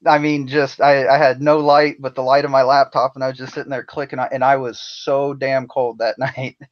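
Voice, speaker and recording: A frank, salty man in his thirties, a long-serving soldier who writes fiction, chats on a podcast at a middling pitch. He laughs often as he talks, and the recording sounds slightly muffled. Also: little pitch movement, normal speed. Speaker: writer of the drama. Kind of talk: casual podcast chat.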